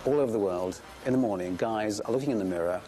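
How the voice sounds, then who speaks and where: A man's voice: lowish voice, fast, mellow. A man speaking thoughtfully in a documentary interview. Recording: faint music under the voice.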